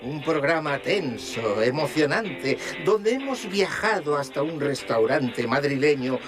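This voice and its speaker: An actor playing a slick, sensationalist reality TV presenter, narrating dramatically with a Castilian Spanish accent. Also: male voice, a little high, animated, unhurried. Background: music.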